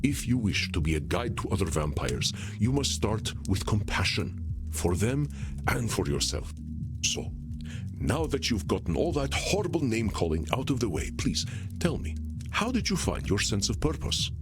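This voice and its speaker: An ancient vampire therapist in a video game, courtly and deliberate. His voice is low and moves through animated swings as he gently probes. Music sits clearly behind the words. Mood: compassionate. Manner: formal, deliberate, gently probing. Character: courtly, measured old male vampire therapist. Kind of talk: video game character dialogue.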